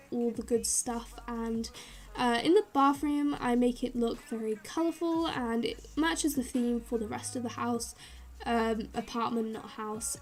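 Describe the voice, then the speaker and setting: A woman's voice: on the high side, a little mellow. A young woman with a blocked, nasal nose, chatting loosely through a game-building voiceover with many fillers. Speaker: game building channel host. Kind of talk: casual voiceover over a speed build.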